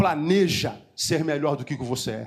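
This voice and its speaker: Heard in a very clean recording with a silent background, a man has an ordinary speaking voice, fairly high in pitch, with ordinary pitch variation. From Rio de Janeiro, Brazil. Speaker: pastor. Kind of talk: sermon.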